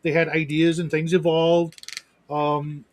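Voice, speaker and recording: A man's voice: on the high side, level tone, slow pace, no room sound. A man co-hosting a casual livestream chat, rambling and swearing with lots of restarts. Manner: rambling, profane, with frequent restarts. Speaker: co-host.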